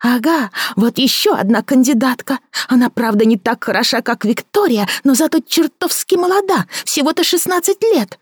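A woman narrator voicing a bitter, jealous woman who speaks in a shrill, scornful, overwrought way. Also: expressive, normal speed, few pauses, slightly rough, no echo, studio quality. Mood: accusing, scornful. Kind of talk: audiobook character voicing.

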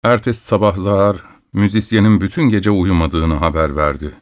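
Male audiobook narrator, lowish pitch, measured, steady delivery. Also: dry recording, studio quality.

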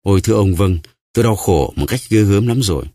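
A man voicing a starving male prisoner who stammers and begs for his life, in a dry, low voice. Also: animated, fast, warm tone, no room sound. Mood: pleading. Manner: pleading, stammering.

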